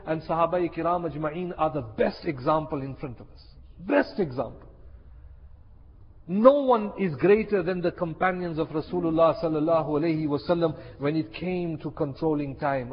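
Impassioned high-voiced male preacher. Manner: impassioned, repeats key phrases for emphasis. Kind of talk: sermon. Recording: echoey hall, dull lo-fi sound.

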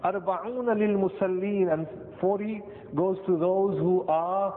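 A man with a South Asian accent giving a Muslim sermon, deliberate, in short phrases with pauses and repetition. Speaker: Muslim preacher. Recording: tinny band-limited echoey hall, rumbly noise.

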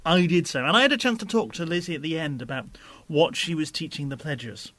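A joking man co-hosts a podcast, trading banter in a relaxed, casual way. His voice sits a little high for a man. He sounds like a regular presenter. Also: fast talker, no room sound. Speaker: podcast co-host and reporter. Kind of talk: casual chat.

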